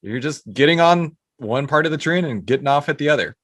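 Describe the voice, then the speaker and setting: A man's voice: a little high, expressive, fairly quick, a bit bright, dry recording, studio quality. A man hosting a podcast interview, talking eagerly with lots of restarts and fillers. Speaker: podcast host.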